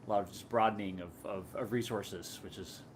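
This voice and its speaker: Male vocal teacher, lower voice, rambling and loose; faint background noise. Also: steady tone, fairly quick. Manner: rambling, trails off with restarts. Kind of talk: casual roundtable chat.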